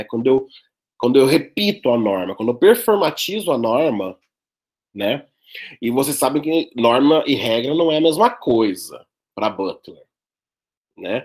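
Against a quiet background, a man speaks at a moderate pace in an animated tone with very wide pitch swings. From Brazil, Ribeirão Preto (São Paulo state); São Paulo state, Brazil. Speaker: university lecturer. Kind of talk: online lecture. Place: home room. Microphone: webcam.

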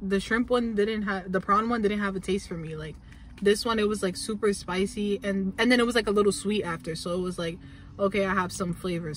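A woman's somewhat breathy voice at a fairly quick pace, fairly even in intonation, with a dry sound and no echo. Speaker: snack reviewer. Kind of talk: casual vlog chat. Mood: relaxed, chatty. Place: car. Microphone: phone near.

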